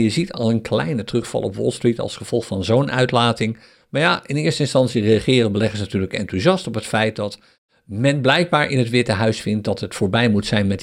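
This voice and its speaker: A man's voice: medium pitch, brisk, creaky. Chatty man hosting a podcast. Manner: chatty, hesitant with frequent fillers. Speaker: podcast host. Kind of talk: casual solo crypto podcast commentary.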